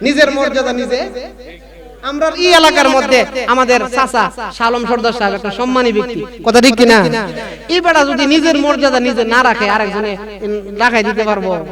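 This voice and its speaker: A male preacher, giving a rousing waz sermon and calling on the crowd for loud responses. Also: very high voice, moderate pace. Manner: rousing, calls for loud responses, rhetorical questions.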